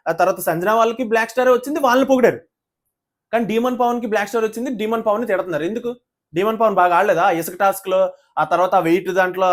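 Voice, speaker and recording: Brief: high-pitched man, rapid indignant show-review rant. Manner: indignant, rhetorical questions, fast ranting. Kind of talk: heated casual commentary.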